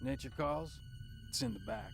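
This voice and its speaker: Cocky half-demon gun for hire, flirty drawl, video game cutscene, loud music behind. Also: male voice, medium pitch, lively intonation, normal speed, vocal fry. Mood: cocky, teasing.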